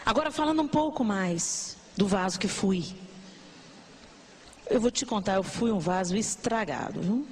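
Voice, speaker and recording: Brazilian woman preacher, sermon to a televised congregation, expressive and animated delivery. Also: medium pitch, unhurried, a little hiss or hum. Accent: Brazilian Portuguese. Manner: animated, acts out complaining believers in mock voices. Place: church service broadcast on television.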